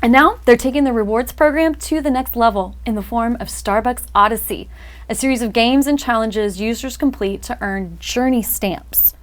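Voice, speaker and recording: A woman's voice: fairly high pitch, normal speed. A young adult woman co-hosting a podcast, reading news items in an upbeat way and chatting loosely between them. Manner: upbeat, reads news smoothly, then chats loosely. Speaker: co-host. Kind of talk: casual podcast chat with scripted news segments.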